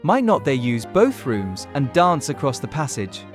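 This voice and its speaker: An actor playing an eager, gallant young gentleman, smooth and persuasive, in an audiobook period drama. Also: medium pitch, sing-song, a little slow, soft background music. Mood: reasoning. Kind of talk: audiobook full-cast period drama acting.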